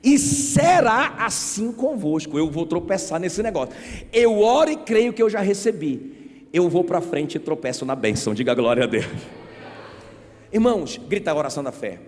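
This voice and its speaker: A man preaching a sermon as pastor, emphatic, asking the congregation rhetorical questions and calling on them to shout back. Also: fairly high pitch, expressive, normal speed. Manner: asks the crowd rhetorical questions. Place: church sanctuary. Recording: reverberant church hall.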